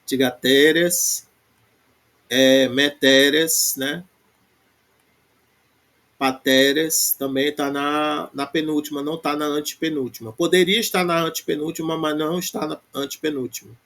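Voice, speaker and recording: A man with a Brazilian Portuguese accent teaching a Greek grammar lesson, reciting word forms slowly and then explaining in quick bursts, often tagging "né?". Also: fairly high pitch, fairly even intonation, fairly bright tone.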